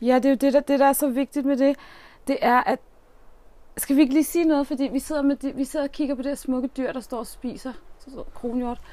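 A woman talks at a fairly quick pace with a high pitch. Her tone is dark and mellow. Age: 40s. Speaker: podcast co-host. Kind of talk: casual chat. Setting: outdoors.

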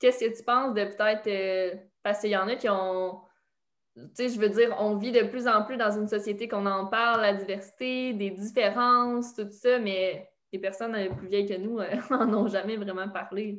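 A woman with a Quebec accent speaks at a fairly high pitch with fairly even intonation. Her loudness swings a lot. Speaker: podcast host. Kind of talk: casual interview. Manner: slower than usual.

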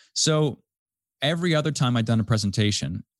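A man with a Canadian accent speaks at a very fast pace with ordinary pitch variation, in a dry, close sound with no echo and a quiet background. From Canada, small town. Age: 30s. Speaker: travel vlogger and public speaker. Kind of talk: interview conversation. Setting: video call.

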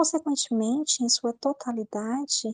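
Delivered at a fairly slow pace with ordinary pitch variation, the voice sounds dry and close, with no echo. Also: woman. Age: 20s. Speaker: language learner. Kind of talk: prepared monologue.

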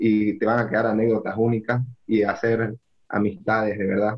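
A man at a fairly slow pace. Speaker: university student.

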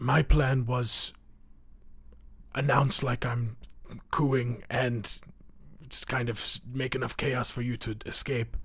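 In a raspy, put-on character voice, the speaker uses monotone, flat intonation at a fairly slow pace with long, frequent pauses. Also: man, medium pitch for a man. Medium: actual play. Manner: shifts between formal and crude.

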